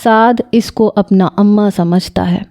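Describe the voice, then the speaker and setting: A woman's voice: mid-range voice, steady tone, mellow, natural voice. A woman voicing a stern, commanding widowed elder brother who heads the household.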